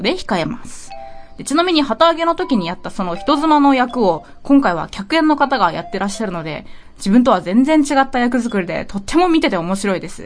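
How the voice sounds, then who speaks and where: Over music in the background, a woman with a high voice speaks fairly quickly, her pitch swinging very widely and her loudness rising and falling sharply. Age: 20s. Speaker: radio host and stage actress. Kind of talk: casual solo radio talk.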